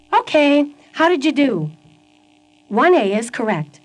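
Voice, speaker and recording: Very wide pitch swings run through the voice while music plays in the background. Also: woman. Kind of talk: corporate training narration.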